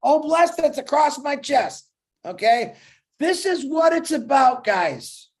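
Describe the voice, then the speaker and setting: A man's voice: very high voice, sing-song, takes it slowly. A man speaking from home on an online chat, giving a fervent, emphatic motivational talk. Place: home, dog barking outside.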